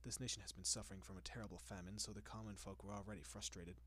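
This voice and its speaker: A man acts as a vampire several centuries old, speaking low and huskily with little pitch movement. Courteous and refined, he coaxes gently and lets pauses linger. The intimate-roleplay tone is possessive and doting, his mood calm and confiding.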